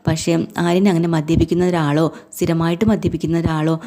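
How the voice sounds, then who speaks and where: Woman recapping a tv serial, talks super fast, low mellow voice. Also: level tone, background noise. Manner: brisk, acting out directions for each scene. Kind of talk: casual retelling of a TV serial.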